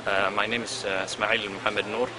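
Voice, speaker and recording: Man, young adult, low flat voice, hesitant, lots of fillers, outdoor street noise. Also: brisk. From Somalia, raised in Sweden. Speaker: student at the university. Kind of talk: recorded testimonial.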